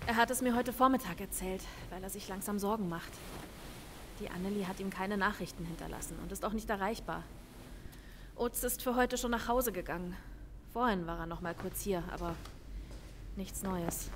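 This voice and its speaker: A woman's voice: mid-range voice, normal speed, background noise, close to an everyday voice. A woman playing a conscientious, serious police lieutenant in an audio drama, earnest and businesslike. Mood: concerned. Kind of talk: German audio drama acting.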